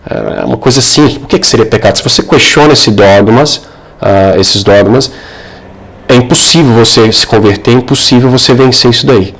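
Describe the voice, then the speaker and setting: A Brazilian man speaks in an informal religious advice monologue, his voice at an average male pitch. He is earnest and didactic, addressing the listener directly and seeking agreement with short tag questions. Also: normal speed, slightly rough. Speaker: Catholic advice video creator.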